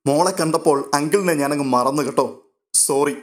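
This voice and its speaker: A man voicing an affectionate young woman who teases and coos in a raised, lively voice, in a read-aloud novel. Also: on the high side, normal speed, natural voice. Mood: teasing.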